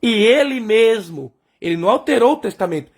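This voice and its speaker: Gravelly, high-voiced preacher. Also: male voice, animated, fairly quick. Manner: explains by asking and answering his own questions; addresses the congregation as brothers and sisters. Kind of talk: sermon.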